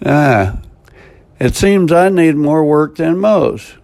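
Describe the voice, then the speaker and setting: An older American man gives a short scripted devotional in a slow, unhurried delivery. His voice sits a little high and has a gravelly texture. He speaks plainly, with a homespun manner and dry humor aimed at himself. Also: lively intonation, darkish tone. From United States. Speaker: devotional radio host.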